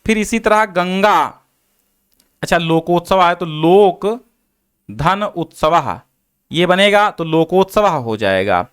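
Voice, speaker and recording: A young man teaches Hindi grammar in a slow, measured way, going over each rule more than once. His voice sits high and sounds smooth and clear. He keeps asking the class what comes next before giving the answer. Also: animated. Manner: explains slowly, repeats rules and asks rhetorical questions.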